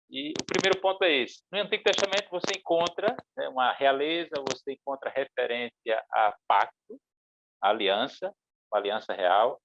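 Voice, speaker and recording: Brazilian man teaching Bible with frequent pauses. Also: medium pitch, vocal fry, muffled recording. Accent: Brazilian Portuguese. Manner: thoughtful, with many pauses and fillers. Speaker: podcast host and Sunday school teacher. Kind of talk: church teaching podcast discussion.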